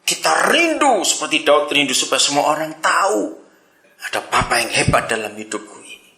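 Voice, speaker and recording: A male pastor preaching a sermon in a lively, teasing way, laughing along with his congregation. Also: fairly high pitch, normal speed, reverberant.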